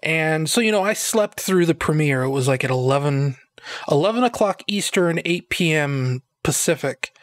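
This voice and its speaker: A man's voice: fairly high pitch, lively intonation, normal speed, a bit bright, no echo. Chatty man with a phlegmy throat. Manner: rambling, filler-heavy, self-deprecating joking. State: phlegmy throat, a bit nasal. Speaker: podcast host. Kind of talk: casual solo podcast chat.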